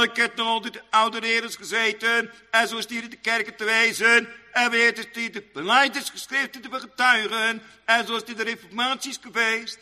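A man preaching a sermon in old-fashioned churchly phrasing, rambling, repeating himself and pausing with many fillers. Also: very high voice, sharp tone, in a large hall.

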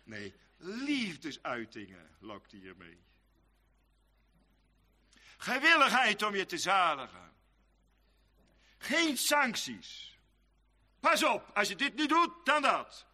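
A male preacher giving a sermon, swinging between soft, quick asides and loud, drawn-out exhortations. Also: sits high. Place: church. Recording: long reverb of a church hall.

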